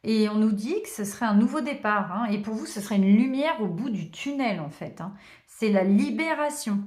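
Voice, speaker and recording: A woman giving a casual tarot card reading to her viewers, chatty and hesitant, often pausing with "euh". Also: mid-range voice, animated. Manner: chatty, warm thanks, many hesitations and small laughs. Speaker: tarot reader. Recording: roomy echo.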